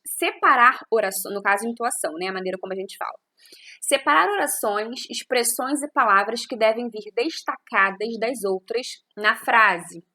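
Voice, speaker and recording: A Portuguese teacher with a fairly high, sharp-toned voice records an audio lesson close to the microphone. She explains patiently and keeps checking in with her students through frequent tag questions.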